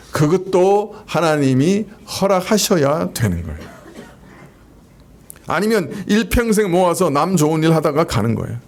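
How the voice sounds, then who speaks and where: A man preaches a Sunday sermon from a church pulpit. His voice sits high for a man. He speaks conversationally and keeps turning to the congregation with rhetorical questions. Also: vocal fry, darkish tone. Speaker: pastor. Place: church sanctuary.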